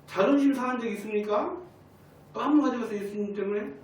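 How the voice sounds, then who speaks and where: A man's voice: very high-pitched, quick pace. A male pastor preaching a Sunday sermon and questioning the congregation. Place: church sanctuary. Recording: echoey church hall from a distance.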